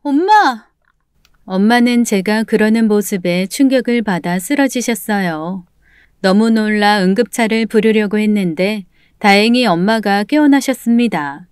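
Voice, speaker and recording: A woman's voice: medium pitch, moderate pace, darkish tone, smooth, no room sound, studio quality. A woman narrating a scripted family drama in first person, with emotional, indignant delivery. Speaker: narrator and lead voice actor. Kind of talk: scripted story narration with acted dialogue.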